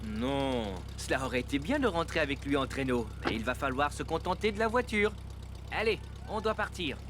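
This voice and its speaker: A gentle cartoon father, reassuring and explanatory. His intonation rises and falls a lot, and loud music plays behind him. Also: on the high side, very animated, moderate pace. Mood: gently firm. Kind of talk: animated children's cartoon dialogue.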